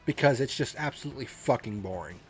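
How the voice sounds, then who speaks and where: A man's voice: mid-range voice, animated, fast talker, soft background music. A man hosting a racing review show, talking casually with a blunt, profane, ranting manner, and sounding congested from a cold.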